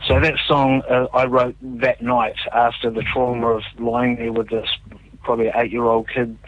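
A man with a New Zealand accent, a musician guest telling stories in a relaxed, animated way in a casual radio interview. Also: mid-range voice, moderate pace, no room sound, phone-quality sound. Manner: animated storyteller, relaxed and chatty.

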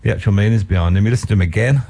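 Lower-voiced New radio host. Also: male voice, very fast. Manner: enthusiastic, warmly effusive. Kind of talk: casual radio interview.

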